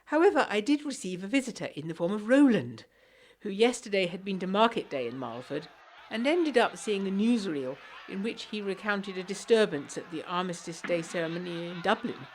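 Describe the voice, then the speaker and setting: A woman's voice: medium pitch, lively intonation, a little fast, a little hiss or hum, natural voice. An actress playing a genteel, frail young Englishwoman of the 1920s, reading her letter aloud in a formal, earnest, articulate manner for a gothic period audio drama. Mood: animated, confiding.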